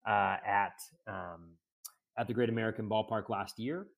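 A man's voice: fairly low pitch, normal speed, gravelly, phone-quality sound. A man with a cold hosts a casual podcast, his voice cracky and sniffly. He talks with eager energy, leaning on fillers as he chats. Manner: enthusiastic, chatty with fillers. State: sick with a cold, sniffling and coughing. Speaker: podcast host.

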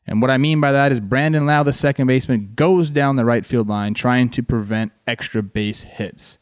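A man's voice: mid-range voice, moderate pace, no room sound. Dry, close-recorded man breaking down sports plays. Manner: conversational, addresses viewers with rhetorical questions. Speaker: sports show host and baseball analyst. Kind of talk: explanatory sports breakdown commentary.

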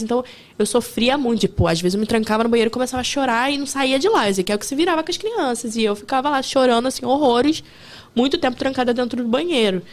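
A woman chatting candidly as a guest, telling stories quickly and openly. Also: fairly high pitch. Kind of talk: casual chat.

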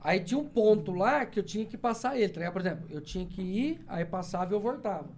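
Fast, high-voiced man with vocal tics. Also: expressive, a little mellow. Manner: swears a lot, fast rambling storytelling; vocal tics, repeating words and bursts. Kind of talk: casual chat.

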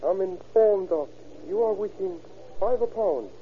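Guarded, courteous drug dealer, put-on East Asian accent, stilted English, high pitch, noisy vintage radio drama sound. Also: male voice, narrow, tinny audio. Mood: guarded, businesslike. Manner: halting, formal, stilted broken English. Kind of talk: old-time radio drama acting.

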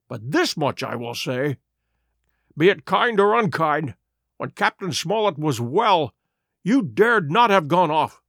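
A man voicing an earnest, principled gentleman doctor. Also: fairly high pitch, dry recording, clean studio sound, full character voice.

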